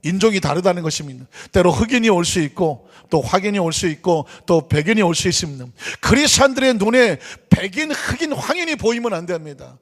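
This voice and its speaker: A man's voice: high voice, sing-song, brisk, few pauses. A man pastor preaching a sermon in a church, putting rhetorical questions to the congregation and answering them himself. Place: church sanctuary. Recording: long church hall reverb.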